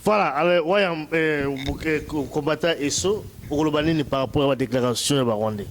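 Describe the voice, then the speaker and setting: Fast-talking man, noisy recording. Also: on the high side. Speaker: interviewer. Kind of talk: conversational interviewing.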